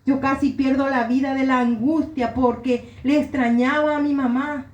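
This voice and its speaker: A woman's voice: high voice, fairly even intonation, moderate pace, darkish tone, dull audio. A middle-aged woman pastor with an Argentine Spanish accent, giving an earnest, emotional sermon testimony. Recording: roomy echo.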